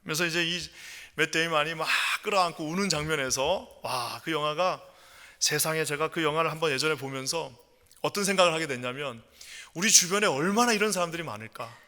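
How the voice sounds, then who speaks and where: A passionate male pastor with a high, very bright voice preaches in a church. His sermon moves from quiet storytelling to loud, ringing proclamation. A long hall reverb trails each phrase. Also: brisk. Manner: impassioned, swings from hushed storytelling to loud proclamation. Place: church sanctuary.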